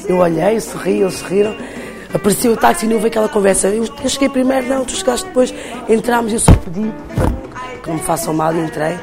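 Being interviewed as a singer, a woman from Portugal relates her story in a relaxed way, her European Portuguese accent coming through in a deep, thick, creaky voice. She talks fast over background music.

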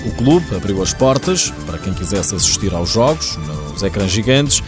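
A man's voice: on the low side, sing-song, normal speed. A man with a European Portuguese accent reading a scripted sports news report as a radio reporter, over a music bed.

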